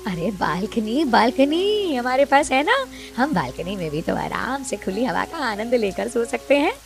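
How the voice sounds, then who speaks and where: A woman's voice: fairly high pitch, big pitch swings, unhurried, vocal fry, faint music behind, full character voice. Woman playing a bossy stingy mother-in-law. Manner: bossy, scheming.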